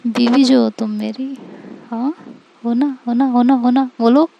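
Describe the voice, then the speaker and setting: A woman's voice: on the high side, fairly even intonation, a little slow, gravelly, lo-fi sound. A woman voicing a playful young woman who teases and coaxes her upset wife in a pleading, sing-song way. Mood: coaxing.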